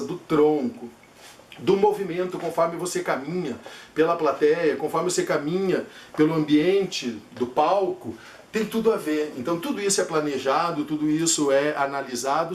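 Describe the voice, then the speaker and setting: A man's voice: a little high, slight background noise. A man, a public speaking coach giving a lesson emphatically. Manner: emphatic, demonstrative, shifts tone freely. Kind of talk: teaching lesson. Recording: echoey room.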